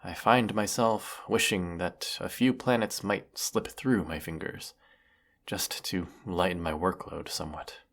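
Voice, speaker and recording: Heavily acted and a bit bright, yet low and gravelly, this man's voice portrays a weary evil emperor of the galaxy, menacing but secretly fond of a servant. The scripted roleplay monologue has a weary, confiding mood, with pompous, formal, theatrical and drawn-out delivery.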